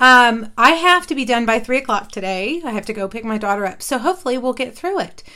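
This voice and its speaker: A woman's raised, projected voice with a bright, sharp tone, lively intonation and a very fast pace, over a quiet background. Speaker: craft product demonstrator. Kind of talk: casual live-stream chat. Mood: cheerful, excited. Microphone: phone near.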